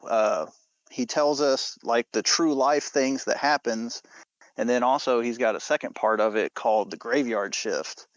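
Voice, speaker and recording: A man's voice: medium pitch, unhurried, no room sound, lo-fi sound. A man speaking casually as a podcast guest. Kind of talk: casual chat.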